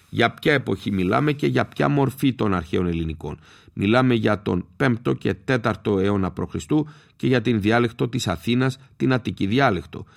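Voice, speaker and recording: A man, a linguist, giving a scripted educational talk in a measured, explanatory way, spelling out letters slowly. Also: medium pitch, creaky.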